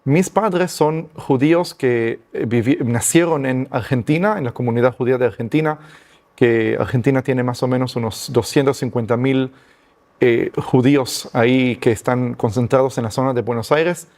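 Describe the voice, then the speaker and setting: A man's voice: mid-range voice, normal speed, darkish tone. Guy, stumbles a lot in spanish, lots of "eh", voice right in the middle. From Israel. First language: Hebrew. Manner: hesitant, many fillers and restarts, searching for Spanish words. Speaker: guest giving testimony. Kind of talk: personal testimony interview.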